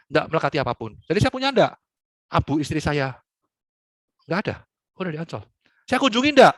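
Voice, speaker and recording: A man's voice: fairly high pitch, fairly bright tone, no echo. A man giving a live Buddhist Dharma talk, joking and colloquial as he teaches.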